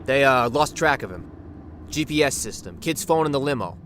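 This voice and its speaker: A man's voice: medium pitch, animated, normal speed, a bit bright, natural voice. A man playing a loyal tough guy with casual, clipped slang in an audio drama. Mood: urgent. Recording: faint outdoor car noise.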